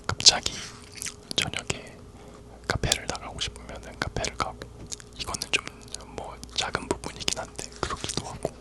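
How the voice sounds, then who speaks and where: A person whispering a casual, rambling ASMR chat in a soft, unvoiced whisper. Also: moderate pace. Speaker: ASMR video creator.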